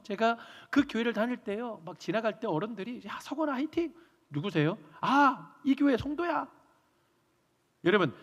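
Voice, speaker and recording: A man's voice: sits high, dull audio. A male pastor preaching a storytelling sermon in a church sanctuary, acting out the dialogue of the people he describes. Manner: animated, acts out dialogue. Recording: reverberant church hall.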